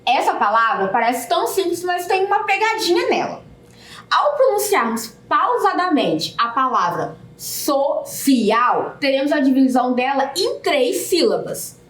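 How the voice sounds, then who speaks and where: A woman teaches a recorded video lesson. Her voice is high, and she breaks words into syllables at a slow, careful pace. She sounds a little far from the mic in an echoey room. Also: sing-song, fairly bright tone. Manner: slow, deliberate syllable-by-syllable explanation.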